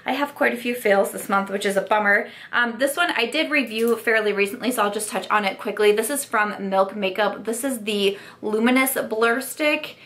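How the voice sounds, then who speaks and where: A woman's voice: a little high, moderate pace, hardly any pauses, fairly bright tone. A young woman vlogger, losing her voice from a sore throat, chatting frankly through makeup reviews with lots of likes. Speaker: beauty vlogger. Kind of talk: casual product review.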